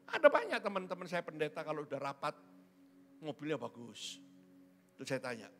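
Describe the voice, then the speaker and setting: A man's voice: on the high side, wildly swooping pitch, fairly quick, a bit bright. A middle-aged man preaching a sermon as a pastor, joking and teasing his congregation. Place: church hall. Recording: church hall with long reverb.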